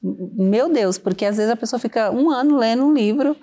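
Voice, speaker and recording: A woman's voice: on the high side, normal speed, mellow. A woman, hosting an interview and asking long, searching questions. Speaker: interview host. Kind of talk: conversational interview.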